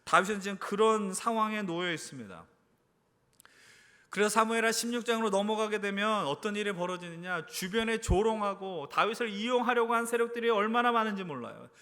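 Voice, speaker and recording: A man delivers a sermon to a youth congregation in a church sanctuary. His voice is bright, forceful and a little high. He poses one rhetorical question after another and shifts between quiet, low lines and emphatic raised ones, while a long hall reverb trails every phrase. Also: a little fast. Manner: earnest, addresses the congregation with frequent rhetorical questions. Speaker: preacher at a church youth service.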